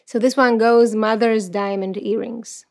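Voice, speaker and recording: A woman's voice: a little high, steady tone, a little slow, a little mellow. A woman in her thirties from Ukraine, whose first language is Russian, talking earnestly and reflectively about her life as an interview guest and reciting a poem, with frequent restarts. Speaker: guest, activist and poet. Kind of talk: personal interview talk and poetry recital.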